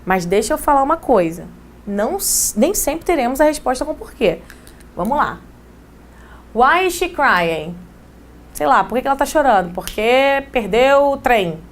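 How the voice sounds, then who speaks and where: A woman's voice: high-pitched, expressive, moderate pace, slight background noise. Chatty woman teaching English. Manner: casual, chatty teacher who addresses students directly. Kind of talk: exam-prep English lesson.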